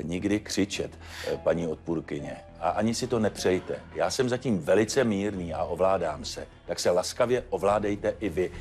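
An actor playing a stern, formal judge who admonishes the parties with frequent hesitant fillers. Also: male voice, low-pitched. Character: stern measured male judge, controlled. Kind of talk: courtroom TV show acting.

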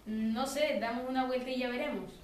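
A woman's voice: high voice, steady tone, a little fast. Teen girl acting script lines, echoey, faint noise. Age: teenager. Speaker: student acting in radio play. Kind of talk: scripted dialogue. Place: school classroom. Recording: roomy classroom, distant mic, faint noise.

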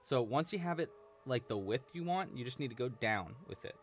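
With slight background noise, a young man speaks fairly quickly in an animated, medium-pitched voice while teaching crochet on a home live stream. The setting is a small indoor room, and he's chatty and playful, laughing as he works and reading the chat aloud.

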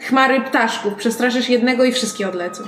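A woman's voice: on the high side, a little fast, fairly bright tone. A woman playing a tabletop role-playing game, casually talking through plans with the group. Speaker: tabletop RPG player. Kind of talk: casual in-game planning chat. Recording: roomy echo, music underneath.

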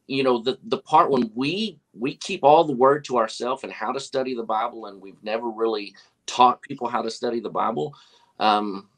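A man in his forties talks like a pastor, earnest and a little preachy, on a video call from his office. His voice sits low. He starts sentences again and again and leans on lots of "you know.". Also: rough recording. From West Texas. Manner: earnest, preachy, many fillers and restarts. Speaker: pastor and guest. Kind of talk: casual video call conversation. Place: office with whiteboard, indoors. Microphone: webcam on video call.

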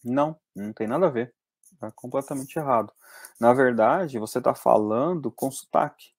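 A young Brazilian man teaching anatomy in an online class from a small room, talking conversationally and often tagging sentences with quick checks. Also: medium pitch, no echo. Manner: conversational, frequent tag questions. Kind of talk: online lecture over slides.

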